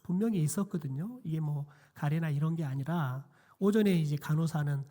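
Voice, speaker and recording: A middle-aged man, a pastor, preaching a quiet sermon in a church with a hoarse, nearly lost voice and many hesitant fillers. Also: fairly high pitch, fairly quick. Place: church sanctuary.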